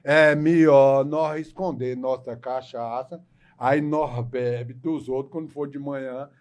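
Guy doing a tipsy country buddy plotting, loud and sly. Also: medium pitch, fairly even intonation, slow, lightly acted. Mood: scheming. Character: tipsy rural man scheming over his liquor.

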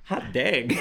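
A man's voice: fairly high pitch, gravelly. A man hosting a podcast, chatting playfully, laughing often and asking questions. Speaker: podcast host. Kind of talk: casual chat.

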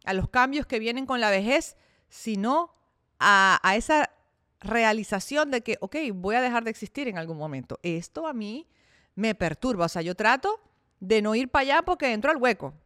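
A woman's voice: fairly high pitch, animated, moderate pace, fairly bright tone, dry recording, clean studio sound. A woman in her thirties hosting her own podcast, talking candidly and chattily about her life and sometimes acting out her own thoughts. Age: 30s. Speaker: podcast host. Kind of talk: casual personal monologue.

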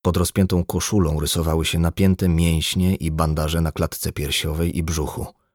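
A man narrating an audiobook in a calm, measured way. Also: rumbling low, no echo, studio quality. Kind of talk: scripted narration.

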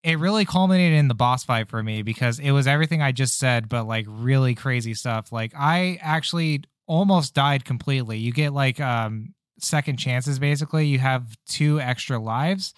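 A man co-hosting a podcast, chatting casually about game demos in a relaxed, rambling way with plenty of fillers. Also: medium pitch, moderate pace, hardly any pauses, smooth, no echo, studio quality. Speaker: podcast co-host.

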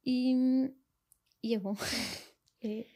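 A young woman with a European Portuguese accent, speaking as an interview guest in a soft, halting, reflective way. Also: a little high, fairly even intonation. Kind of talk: personal conversation.

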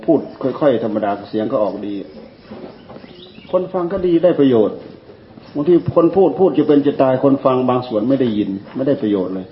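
A man speaking as a Buddhist monk in a loose, chatty dhamma talk. He wanders from point to point and repeats words as he goes, at an ordinary pitch. The recording is roomy and muffled, with faint birdsong behind him. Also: animated, fairly quick, slight background noise. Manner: rambling, conversational, repeats words. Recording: echoey, dull lo-fi with faint birds.

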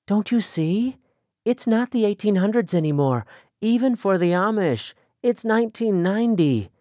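A man's voice: high-pitched, very animated, a little slow, darkish tone, no room sound, voice pushed up. A male audiobook narrator voicing a spirited, restless young Amish woman who talks in an earnest, pleading way. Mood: excited.

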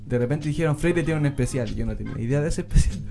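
A young man, a guest guitarist, telling a story in a lively way. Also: on the high side, fast. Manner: animated storyteller, laughs while telling. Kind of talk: casual storytelling. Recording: music clearly behind.

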